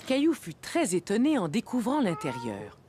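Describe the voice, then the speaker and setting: A woman narrating a scripted children's story in an expressive storytelling manner. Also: medium pitch, normal speed, background noise.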